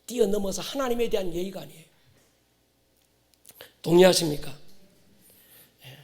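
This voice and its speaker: A man in his fifties preaching to a congregation as a pastor, exhorting them with swings between hushed asides and forceful declarations. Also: high-pitched, lively intonation, moderate pace. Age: 50s. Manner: prompts listeners to respond and repeat. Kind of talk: fervent sermon to a congregation.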